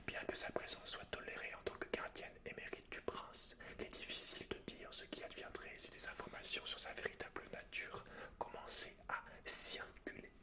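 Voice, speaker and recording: Homme qui chuchote en ASMR. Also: male voice, normal speed. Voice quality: breathy, unvoiced whisper. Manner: soft, hushed reading delivery. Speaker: ASMR gaming video host. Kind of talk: whispered ASMR storytelling, reading game lore.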